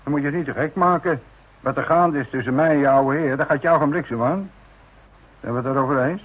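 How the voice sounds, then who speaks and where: A man's voice: fairly high pitch, brisk, slightly rough. An actor in a Dutch radio play playing a cocky, slyly familiar man with a breezy, teasing, dismissive manner. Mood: needling, curt. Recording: tinny, noisy old radio recording.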